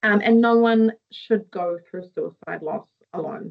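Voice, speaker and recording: A woman's fairly high voice in a New Zealand accent, with ordinary pitch variation. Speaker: webinar presenter. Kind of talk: online webinar presentation. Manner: fast.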